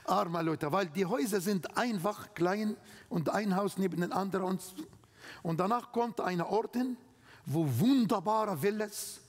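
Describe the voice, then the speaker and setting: Slow Arabic-accented male preacher. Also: high-pitched. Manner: slow, emphatic, broken German with non-native grammar. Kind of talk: sermon. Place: church hall. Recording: long hall reverb.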